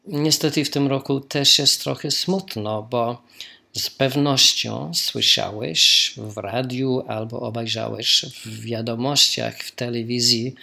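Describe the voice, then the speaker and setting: Slow-speaking Australian man with English-accented Polish. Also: mid-range voice, creaky, pushed and bright. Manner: careful learner's phrasing with small grammatical slips. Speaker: Polish learner, listener sending a recorded message. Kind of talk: recorded spoken message, careful and informal.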